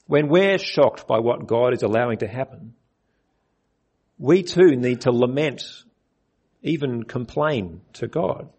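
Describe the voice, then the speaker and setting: A man's voice: medium pitch, lively intonation, takes it slowly, darkish tone, husky. A man preaching a sermon on a Bible passage, earnest, putting questions to his listeners.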